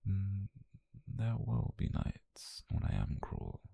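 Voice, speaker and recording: A British man playing an obsessive, possessive mafia boyfriend, calm and dangerous, in a slow, controlled, breathy half-whisper for an intimate ASMR roleplay. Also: deep voice, exaggerated voice. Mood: obsessive, tender. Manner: slow, controlled, menacingly tender murmur. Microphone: close microphone, dry.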